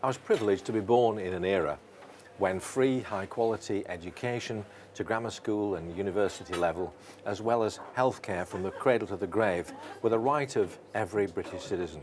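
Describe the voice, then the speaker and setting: This man talks with a Yorkshire accent at a fairly quick pace. His pitch is fairly low and varies in an ordinary way. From northern England, Yorkshire. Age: 60s. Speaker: documentary presenter. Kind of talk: scripted narration. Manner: formal.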